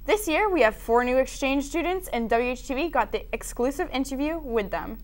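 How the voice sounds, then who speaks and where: Teen girl anchor, high voice, reading intros. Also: lively intonation, a little fast. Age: teens. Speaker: student news anchor. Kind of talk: scripted anchor banter.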